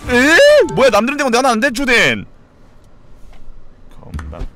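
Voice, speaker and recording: A man streaming a video game live, joking, excitable and swearing a lot, with game music playing behind him. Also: very high-pitched, moderate pace, creaky. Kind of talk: live gameplay commentary.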